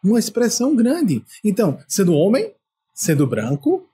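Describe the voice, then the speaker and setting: Older man, spiritual leader, emphatic, rhetorical questions, high husky voice. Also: wildly swooping pitch, moderate pace, warm tone. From Brazil. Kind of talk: spoken spiritual talk.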